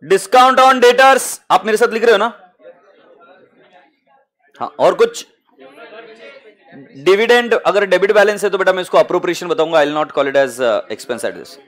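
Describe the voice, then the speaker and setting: Indian guy teaching accounts live, high voice, calls everyone beta, hindi english mix. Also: lively intonation, a little slow, long pauses, fairly bright tone. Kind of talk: live classroom lecture.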